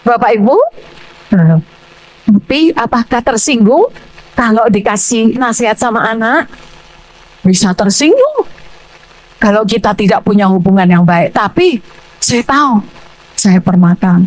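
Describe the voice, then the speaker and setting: An older woman with a Surabaya Indonesian accent preaching a sermon in church, telling stories loudly and emphatically. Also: fairly high pitch, measured pace, long pauses, poor audio. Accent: Surabaya Javanese Indonesian. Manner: animated storytelling, loud and emphatic, acting out dialogue.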